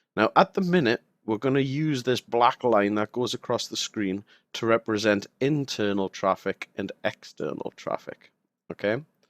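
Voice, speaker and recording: A man with a northern English accent, medium pitch and ordinary pitch variation, at a moderate pace, in a dry, close sound with no echo and a very clean recording with a silent background. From northern England. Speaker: gaming tutorial creator. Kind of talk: tutorial. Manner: casual.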